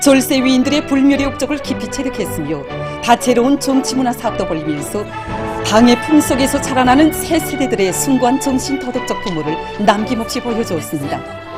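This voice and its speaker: Woman, North Korean accent, formal news narration, solemn, declamatory, higher pitch, music behind. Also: lively intonation, brisk. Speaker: television news announcer. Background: music under the narration.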